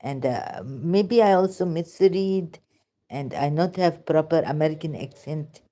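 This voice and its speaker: This woman, a vlogger, speaks in a low-pitched, mellow, unhurried way. With a Pakistani accent and broken English, she gives rambling religious commentary laced with sarcasm.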